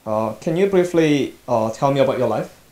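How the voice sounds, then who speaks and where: Halting male interviewer, second-language English. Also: mid-range voice, animated, rough recording. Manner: frequent soft back-channel murmurs, halting questions. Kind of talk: casual interview.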